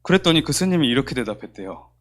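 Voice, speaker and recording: A man preaching a sermon as pastor in a church, telling a story in an animated way and acting out the dialogue. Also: medium pitch, fast talker.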